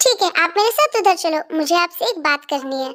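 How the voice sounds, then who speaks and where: In a put-on character voice, a woman sounds squeaky at an extremely high pitch with lively intonation. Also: fairly quick pace. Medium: read story. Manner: teasing, lighthearted.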